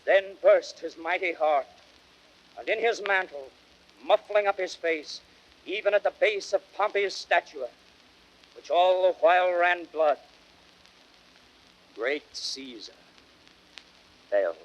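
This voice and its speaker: An actor playing a grieving Roman orator rousing a crowd in impassioned theatrical Shakespearean declamation. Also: male voice, high-pitched, expressive, dull audio, full character voice. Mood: solemn, grieving. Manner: impassioned, drawn-out, swelling from hushed to shouted.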